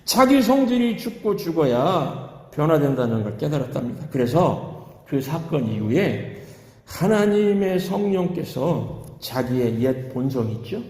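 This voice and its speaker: A man's voice: on the high side, measured pace. A male pastor telling a story in a sermon, asking the congregation questions and acting out the voices of the people in it. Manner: animated, asks the congregation questions and acts out quoted voices. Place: church sanctuary. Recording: echoey hall, long reverb.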